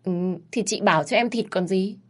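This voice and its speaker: A woman's voice: medium pitch, brisk, voice pushed up, lightly acted. A woman voicing a cheeky, sweet-voiced effeminate young man. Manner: sweet, playful.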